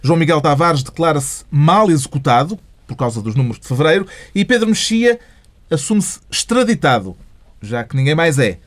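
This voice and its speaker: A man's voice: a little high, sing-song, moderate pace. A man with a European Portuguese accent, hosting a radio show and asking wry, playful questions. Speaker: host.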